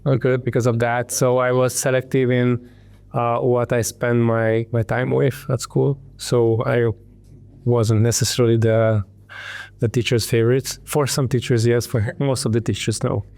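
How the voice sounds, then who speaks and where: A man from Hungary in his thirties, a tech entrepreneur telling his story in an interview, halting with many ums and restarts. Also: medium pitch, flat delivery, a little mellow, no echo.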